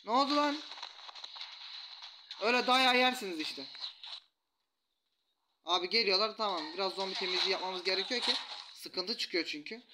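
A man commentating a mobile strategy game, taunting the enemy troops with rough slang. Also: sits high, brisk, pauses often. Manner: taunting, trash-talks enemies, rough slang. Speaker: gaming YouTuber. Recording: loud background noise.

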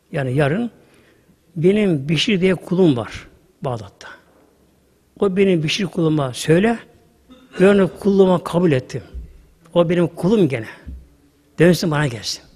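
A male preacher giving a sermon, telling a story with sudden loud rises and hushed asides. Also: high voice, slightly rough. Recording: hall reverb.

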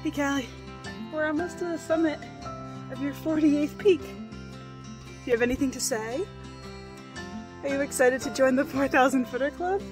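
A young woman in her twenties vlogging on a hike, filming herself at arm's length outdoors and chatting to her dog in a high sing-song voice. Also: moderate pace, pauses often, over music. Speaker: hiking vlogger. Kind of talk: casual vlog with voice-over narration. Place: outdoors on a windy mountain trail. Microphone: camera held at arm's length.

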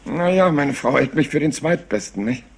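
An actor playing a polite, absent-minded police inspector who rambles apologetically and hesitantly in a crime drama. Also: male voice, a little high, expressive, moderate pace, vocal fry, slightly rough, heavily acted. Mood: musing. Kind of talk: dubbed TV crime drama acting.

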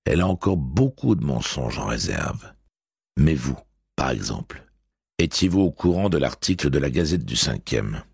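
A dreamy, mild-mannered police commissioner from an audiobook, voiced by a man. He speaks in an unhurried, musing way, with a deep, raspy voice. The sound is close and dry. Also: big pitch swings, darkish tone, dry recording, heavily acted.

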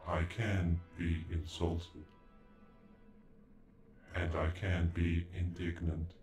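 A man's voice: low voice, flat delivery, extremely slow, a little mellow. A man voicing a proud, cold male android in an ASMR roleplay, with stilted, formal speech that can stutter like a glitch. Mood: indignant. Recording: echoey, with background music.

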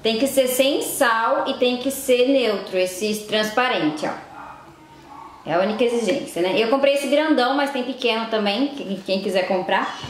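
A woman's voice: a little high, normal speed, roomy sound, a little hiss or hum. A young woman chatting to her viewers in a casual beauty tutorial vlog, filmed indoors on a camera mic. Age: young adult. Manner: chatty, addresses viewers directly. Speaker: beauty vlogger. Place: room indoors, later a tiled kitchen.

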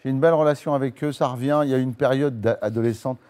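A man in his forties, a guest on a TV interview, talking casually and haltingly as he restarts his phrases. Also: medium pitch, a little mellow. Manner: halting, restarts phrases, acts out little quotes. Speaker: talk show guest. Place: TV studio.

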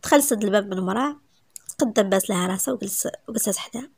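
A woman with a Moroccan accent reading a romance story aloud, brisk and even, dropping to a soft whisper at times. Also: mid-range voice, vocal fry, husky, no room sound.

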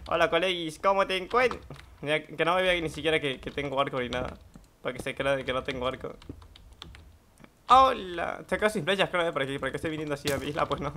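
A young man giving live gameplay commentary, excitable, swearing and bursting into shouts. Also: on the high side, quick pace, slight background noise. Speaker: gaming YouTuber.

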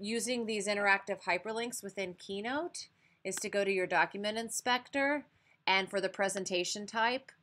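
An American woman teacher giving a spoken software tutorial for a webinar, explaining step by step. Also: medium pitch. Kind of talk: spoken software tutorial over screen demonstration.

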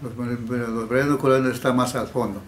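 A middle-aged man from the Peruvian Amazon whose first language is indigenous, answering interview questions haltingly and restarting his words. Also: medium pitch, steady tone. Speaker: healer interviewee. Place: indoor room. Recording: echoey room, faint background hiss.

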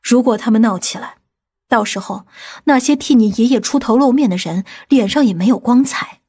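A woman playing a stern, commanding woman from a powerful family in an audiobook drama, speaking gravely and deliberately. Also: fairly high pitch, dark tone. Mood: grave, persuading.

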